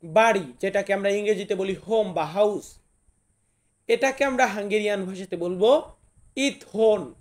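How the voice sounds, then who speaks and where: Man, high-pitched, from Bangladesh, casual vocabulary lesson, repeats words slowly, talks to viewers. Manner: repeats each word slowly, addresses viewers directly. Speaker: language teacher.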